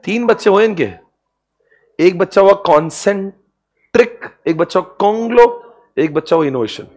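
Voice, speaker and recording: A man lecturing a class with a fairly high voice. He keeps the lesson light and playful, jokes with his students and laughs often. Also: expressive, moderate pace, darkish tone. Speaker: commerce exam lecturer.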